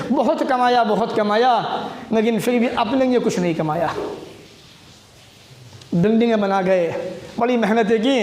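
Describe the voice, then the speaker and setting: Guy preaching a sermon, really high voice, quotes arabic hadith, calls everyone brothers, echoey room. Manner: addresses listeners as brothers. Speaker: Islamic preacher. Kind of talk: religious sermon. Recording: echoey room, faint background noise.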